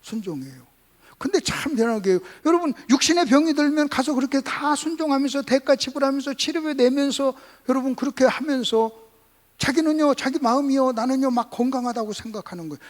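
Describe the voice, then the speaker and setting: High-pitched male pastor preaching a revival sermon. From Gunsan, North Jeolla, South Korea. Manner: emphatic, repetitive teaching with rhetorical questions. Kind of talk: Sunday revival sermon with call-and-response to congregation. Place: church service.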